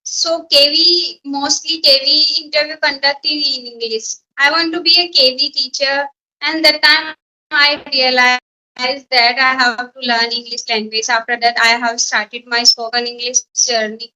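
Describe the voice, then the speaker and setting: A woman teacher from a small village with an Indian accent, speaking English as a learner, her first language Hindi, pausing to search for words. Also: sits high, steady tone, sharp tone, poor audio. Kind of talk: English practice conversation.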